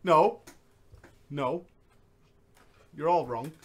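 On his comedy show, a man reads stories sent in by viewers and banters with a co-host, laughing often and swinging from loud bursts to quiet asides. His voice is on the high side, and he speaks very slowly.

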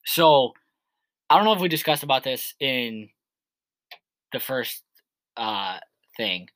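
Rambling twenty-something male co-host, bright tone, dry booth sound. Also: mid-range voice, big pitch swings, slow, dry recording, low-quality recording. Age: 20s. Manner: rambling, heavy on filler words. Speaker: podcast co-host. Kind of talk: casual chat.

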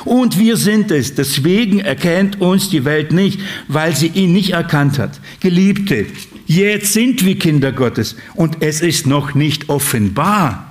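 Man, sermon, chatty preaching, somewhat high voice, repeats himself. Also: lively intonation, slow pace. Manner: conversational preaching, asks listeners questions; repeats and restarts phrases. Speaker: pastor.

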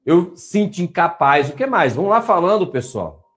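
A Brazilian man gives a motivational talk, his voice sitting a little high and swinging up and down with lots of life. He keeps coaxing the audience to answer him. Soft music plays quietly behind him. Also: normal speed. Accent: Brazilian Portuguese. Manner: animated, coaxing, asks listeners to answer. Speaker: motivational coach.

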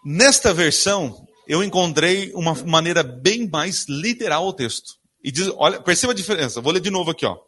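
A man's voice: fairly high pitch, animated, normal speed, a bit bright, slightly rough. A man preaching a sermon, reading Bible verses aloud and questioning his congregation in a church. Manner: asks the congregation questions and answers them himself.

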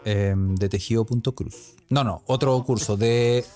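A man's voice: mid-range voice, unhurried, dark tone. A man with a Chilean Spanish accent co-hosting a casual chat, joking, laughing often and using a lot of slang. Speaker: podcast co-host.

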